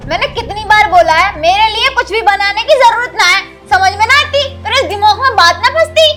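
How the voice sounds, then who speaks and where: A woman playing a harsh, scolding village mother-in-law. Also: very high voice. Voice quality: scolding, contemptuous. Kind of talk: rural Hindi film drama.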